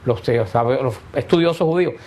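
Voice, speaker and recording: A man's voice: medium pitch, normal speed, darkish tone. A man teaching a catechesis lesson to a group, explaining step by step and posing rhetorical questions that he answers himself.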